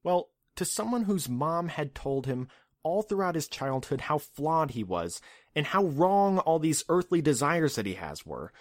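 A man's voice: medium pitch, no room sound, studio quality. A man hosting a podcast, telling a history story in a casual, wry way with lots of asides. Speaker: podcast host.

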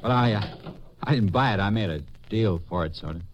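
An actor playing an evasive soldier in a 1950s radio drama, casual and a little hesitant. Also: male voice, on the low side, a little fast, lo-fi sound. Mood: evasive, nervous. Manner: hesitant, stammering when pressed. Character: young soldier, eager but evasive and uneasy. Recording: noisy old radio recording.

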